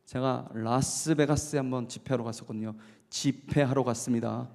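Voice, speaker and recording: A male pastor preaching a sermon, telling a story with lively questions to the congregation and acting out the dialogue. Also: medium pitch, brisk, creaky. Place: church sanctuary. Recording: long church hall reverb.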